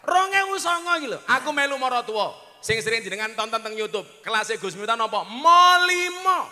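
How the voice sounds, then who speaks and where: A man with a Javanese accent preaching a humorous sermon to a crowd, delivering punchy punchlines and bursting into shouts. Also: sits high, fast, long reverb tail.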